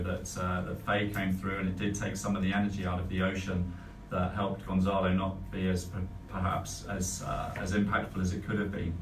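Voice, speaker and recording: A man working as a weather forecaster, giving a careful, measured explanation in a briefing style. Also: low-pitched. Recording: echoey room, distant mic, faint noise.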